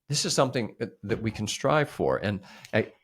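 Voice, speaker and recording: A man co-hosting a reflective conversational discussion, speaking haltingly with frequent repeated words and restarts. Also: on the low side, expressive, breathy edge. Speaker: podcast co-host.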